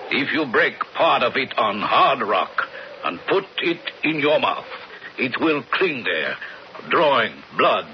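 A man's voice: mid-range voice, sing-song, takes it slowly. A man playing a solemn, reverent tribal guide who speaks in terse, formal phrases, in a radio drama. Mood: solemn, reluctant. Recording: muffled radio broadcast, clear noise.

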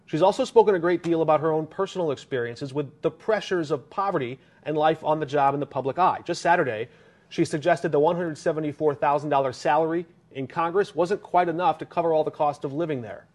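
Slightly high-voiced male news reporter. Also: brisk. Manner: steady, briefing.

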